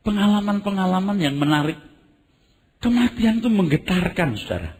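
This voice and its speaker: Man preaching with an animated, wide-ranging delivery and vivid storytelling, heard in a reverberant hall. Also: high voice. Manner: animated storytelling, acts out screams and sounds; addresses the congregation as "saudara". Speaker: pastor. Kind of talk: sermon.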